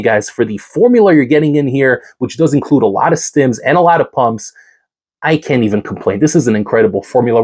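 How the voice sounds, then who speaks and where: Man, husky, congested from a cold, hyped, energetic product-review talk. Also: medium pitch. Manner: hyped, energetic salesman-like delivery. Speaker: supplement reviewer.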